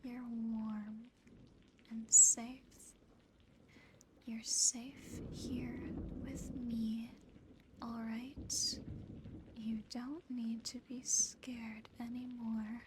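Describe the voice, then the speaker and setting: A woman voicing an affectionate, possessive female demon in a soothing, intimate, softly teasing whisper for an ASMR roleplay. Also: a little high, flat delivery, extremely slow, long pauses. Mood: soothing, tender. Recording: close whisper over clear background noise.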